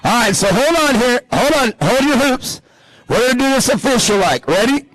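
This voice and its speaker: A man announcing live at an outdoor off-road race track, energetic and joking as he hypes the crowd. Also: very high-pitched, normal speed, no echo, poor audio.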